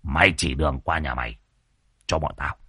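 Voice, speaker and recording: Guy doing a show-off sorcerer, deep low voice, brags a lot. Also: steady tone, moderate pace, pushed and bright, slightly rough, dry recording, studio quality, heavily acted. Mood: boastful. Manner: boastful, bragging. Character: boastful male sorcerer, loud laugh.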